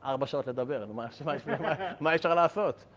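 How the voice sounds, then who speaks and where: A man's voice: mid-range voice, a bit bright. A man teaching a Hasidic Torah class, asking rhetorical questions and joking with his listeners. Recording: dull lo-fi recording.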